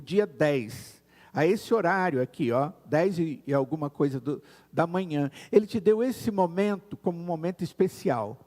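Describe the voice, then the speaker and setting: High-pitched Brazilian pastor in a reverberant church. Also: male voice, a little mellow. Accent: Brazilian Portuguese. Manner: earnest preaching, slowing down to stress words. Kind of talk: sermon. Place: church sanctuary.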